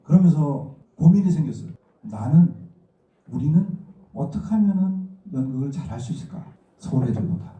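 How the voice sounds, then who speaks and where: A man's voice: a little high, very animated, moderate pace, warm tone. A middle-aged man from Daegu with a Daegu accent, giving an informal, conversational lecture full of personal stories as a stage actor. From Daegu, South Korea. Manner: conversational, acts out remembered dialogue. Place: indoor lecture room, recorded from a distance. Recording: muffled, echoey room, distant mic.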